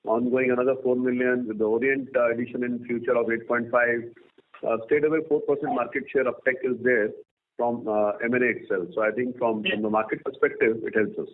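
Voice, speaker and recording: A man's voice: mid-range voice, level tone, fairly quick. Indian-accented male executive on noisy phone line. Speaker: company executive answering analysts. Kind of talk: earnings call question-and-answer. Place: conference call line.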